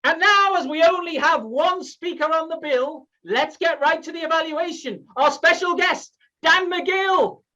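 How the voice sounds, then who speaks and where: A man voicing a chirpy, welcoming online club host from Canada with brisk, gushing politeness, in comic storytelling. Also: extremely high pitch, bright, forceful tone, distant mic, voice pushed up, exaggerated voice, rough recording. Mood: cheerily announcing.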